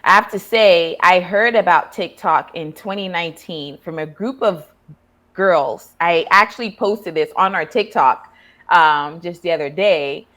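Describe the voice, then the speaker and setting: A woman in her thirties from Ghana, hosting a casual interview. Her voice sits a little low, and she asks friendly, curious questions and laughs easily. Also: measured pace, fairly bright tone. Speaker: therapist and podcast host.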